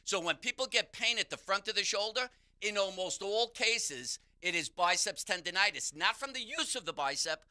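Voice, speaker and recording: A man's voice: high-pitched, expressive, moderate pace, hardly any pauses, pushed and bright. A man, a pain therapist, explaining how the body works on a call-in radio show. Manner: explanatory, instructive. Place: radio studio.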